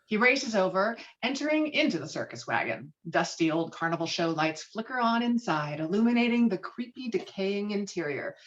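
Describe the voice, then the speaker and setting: A woman reading screenplay stage directions with dramatic, expressive delivery over a video call. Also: mid-range voice, normal speed, hardly any pauses, highs cut off. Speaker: stage directions reader at a table read.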